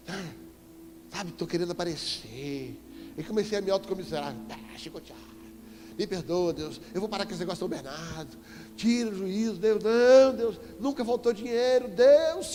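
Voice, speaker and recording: A man with a Brazilian Portuguese accent preaching a sermon as an apostle, telling a story with animated emphasis and sudden loud exclamations. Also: on the high side, slight background noise. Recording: echoey church hall with faint music.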